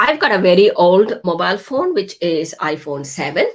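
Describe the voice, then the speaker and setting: This woman speaks with a non-native accent at a medium pitch. Her pace is fairly slow. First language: not English. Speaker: online business coach. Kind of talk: live webinar masterclass. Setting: live online group session. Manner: halting, many fillers and repeats.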